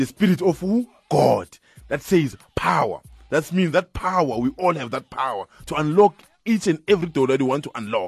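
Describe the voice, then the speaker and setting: This voice has vocal fry and very wide pitch swings at a moderate pace, with a dry, close sound and no echo. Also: man, fairly high pitch for a man. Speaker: radio host. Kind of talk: casual chat. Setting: studio. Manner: animated.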